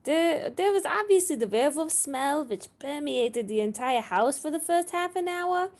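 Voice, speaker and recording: A woman's voice: high-pitched, animated, moderate pace, a little mellow. A woman playing an earnest, romantic male vampire in a comedy table read, chatting hesitantly as if interviewed for a documentary. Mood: earnest, mild.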